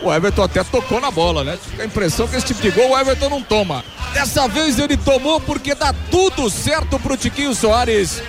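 A man's voice: very high voice, animated, a little fast, music in the background. A Brazilian man giving live match analysis as a football analyst, explaining the play step by step.

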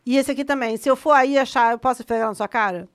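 A woman in her thirties with a Brazilian Portuguese accent, co-hosting a podcast in animated casual chat and swearing freely. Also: on the high side, quick pace, clean tone. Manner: animated, swearing, frequent laughter. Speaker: podcast co-host.

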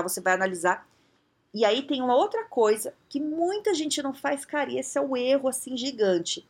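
A woman's voice: fairly high pitch, husky. A woman with a Brazilian Portuguese accent giving blunt, conversational leadership advice, often acting out little dialogues. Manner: blunt, conversational, frequent tag questions, acts out dialogues. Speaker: leadership coach. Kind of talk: casual advice talk.

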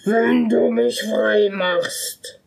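A woman voicing an arrogant male spirit trapped in a bottle, calling out in slow, loud, drawn-out words. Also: a little high, steady tone, gravelly, a crowd in the background, exaggerated voice. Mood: bargaining.

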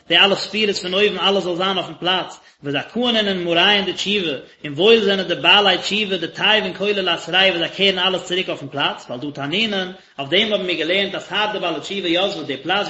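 Male rabbi, text-study lesson, explains in short bursts; very bright, piercing tone, lo-fi recording. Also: high voice. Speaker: rabbi teaching a daily lesson. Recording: echoey, dull lo-fi recording.

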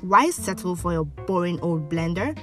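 Female commercial announcer, on the lower side, scripted read, a little off-mic over music. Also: lively intonation, normal speed, recorded from a distance. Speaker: voice-over artist.

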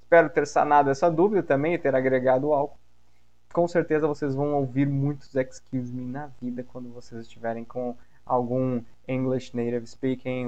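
Um homem, professor de inglês e apresentador de podcast, explica expressões com entusiasmo e interpreta os exemplos mudando o tom. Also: male voice, mid-range voice, lo-fi sound. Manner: lively, acts out example phrases with shifts in tone. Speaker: English teacher, podcast host. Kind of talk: explaining English phrases in a podcast lesson.

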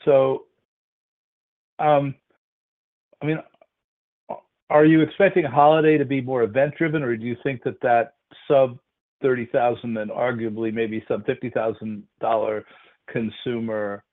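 A man asking questions as a financial analyst on an earnings call, in a halting, roundabout way. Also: medium pitch, little pitch movement. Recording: dull band-limited phone line.

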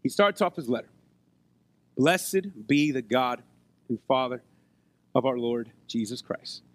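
A man preaching a sermon in a conversational way, his voice hoarse as if he has been losing it, often checking in with his listeners. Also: mid-range voice, animated, a little slow, no room sound. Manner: conversational, checks in with rhetorical questions. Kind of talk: sermon to a congregation. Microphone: close microphone on a PA.

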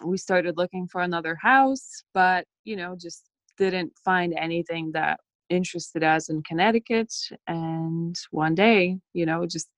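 A woman's voice: lowish voice, measured pace, no room sound. A woman from Poland with a light Polish accent, a podcast guest telling her story in a friendly, laughing way. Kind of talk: casual interview.

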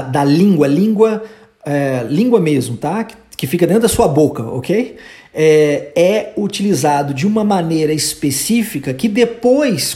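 Brazilian English tutor for a lesson podcast, warm low-key tone, slow patient drills. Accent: Brazilian Portuguese. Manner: drills phrases slowly and repeatedly; patient explaining of pronunciation. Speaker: English teacher.

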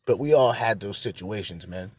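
A man's voice: on the low side, normal speed, husky, no echo. A man hosting a casual, opinionated monologue, blunt and full of slang and swearing, repeating phrases for emphasis. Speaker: solo show host.

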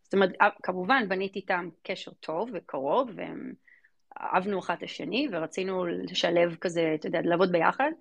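A woman with an Israeli accent, a fintech venture investor appearing as a guest, answers interview questions casually and emphatically, often repeating words. Her voice sits on the low side and sounds gravelly.

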